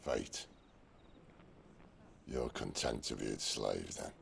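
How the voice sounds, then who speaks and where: An actor playing a gruff, wry middle-aged rebel leader with a husky, commanding voice in a video game. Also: male voice, slow pace, a bit bright, slight background noise, exaggerated voice. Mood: grave. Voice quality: very deep, gravelly, husky. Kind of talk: cinematic game cutscene acting.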